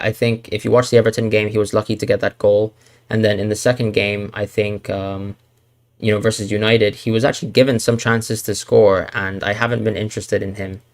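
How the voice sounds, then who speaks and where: A man from Hong Kong hosting a live Q&A stream, thinking aloud and hedging, with frequent fillers and restarts. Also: on the low side. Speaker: fantasy football streamer. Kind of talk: live Q&A stream answering chat.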